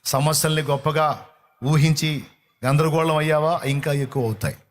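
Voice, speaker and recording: A man's voice: on the high side, fairly even intonation, normal speed. A middle-aged man preaching a sermon in a fervent, repetitive cadence. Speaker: pastor.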